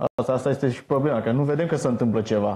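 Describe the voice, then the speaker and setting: Against a quiet background, a man talks at a very fast pace in a dark, mellow tone that is somewhat breathy. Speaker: journalist. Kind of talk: political talk show debate. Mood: critical, concerned. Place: studio. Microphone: lapel.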